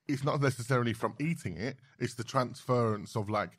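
A man's voice: mid-range voice, a little fast, breathy edge, dry recording, clean studio sound. A man with a London accent chatting casually in slangy, sweary street talk. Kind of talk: casual chat.

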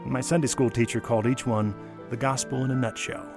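A man giving a theatrical, expressive dramatic reading of a childhood holiday memoir, with wonder and deliberate pauses. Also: medium pitch. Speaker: storyteller. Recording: music under the voice. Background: music.

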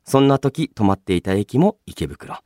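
A man hosting a radio show, chatting and reading listener mail in a polite, expressive manner. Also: medium pitch, moderate pace, no room sound, studio quality. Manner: polite, expressive, often breaking into laughter. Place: radio studio. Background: background music.

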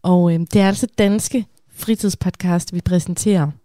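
A woman presenting a radio program, introducing the next podcast in a calm, clear way. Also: fairly low pitch, dry recording, studio quality. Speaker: radio host.

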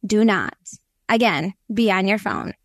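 A woman's voice: mid-range voice, a little slow, a bit bright, no echo, studio quality. A young woman from Latvia with a Minnesota accent, a podcast guest giving earnest, encouraging advice on parenting. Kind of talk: conversational interview.

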